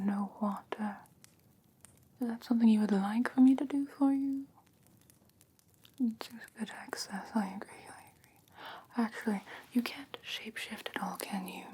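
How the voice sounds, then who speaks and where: In an ASMR fantasy roleplay, a woman plays an ancient fae who is haughty yet curious, whispering softly and breathily at a medium pitch. Her delivery is unhurried, halting, matter-of-fact, and faintly condescending. A close ASMR microphone picks her up, and background ambient noise is clearly audible.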